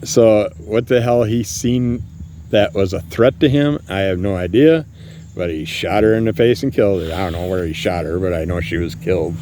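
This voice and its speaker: A man's voice: low voice, normal speed, dark tone, slight background noise. A man hosting a solo podcast, ranting bluntly and angrily with plenty of swearing, recorded outside at night. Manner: angry, blunt and profane. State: living with multiple sclerosis. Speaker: podcast host. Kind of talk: casual solo rant. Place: outdoors at night. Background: distant fireworks and passing vehicles.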